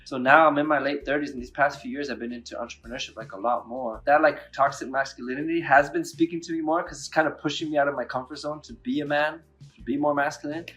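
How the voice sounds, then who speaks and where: A man's voice: a little high, fairly even intonation, fast, fairly bright tone, faint music behind. A man in his late thirties hosting an interview, enthusiastic and chatty, filling his speech with "like". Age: 30s. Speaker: podcast host. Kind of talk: casual interview talk.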